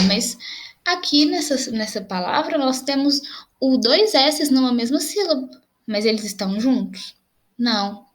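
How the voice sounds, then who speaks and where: A young adult woman teacher with a Brazilian Portuguese accent patiently explains grammar in a video lesson, spelling out examples slowly. Her voice sits on the high side and sounds a bit bright.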